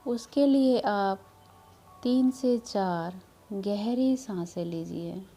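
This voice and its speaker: Very slow, soothing woman guiding meditation. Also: mid-range voice, warm tone. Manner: soothing, measured, with long pauses. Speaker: meditation guide. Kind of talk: guided meditation, hypnotic relaxation instruction. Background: background music.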